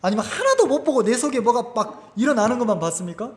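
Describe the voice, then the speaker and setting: Animated pastor preaching in echoey hall. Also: male voice, extremely high pitch, quick pace. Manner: animated, conversational preaching with rhetorical questions. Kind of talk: sermon. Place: church sanctuary.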